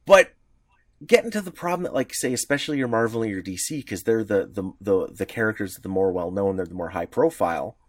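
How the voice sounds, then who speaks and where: A man co-hosting a podcast in casual chat, rambling and animated, with many restarts. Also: fairly low pitch, fairly quick, no room sound. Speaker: podcast co-host.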